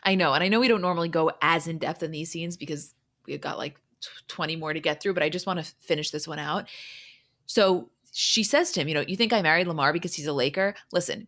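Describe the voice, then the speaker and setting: A woman with a low-pitched, fairly bright voice hosts a podcast. She recaps casually and conversationally, retelling who said what, scene by scene.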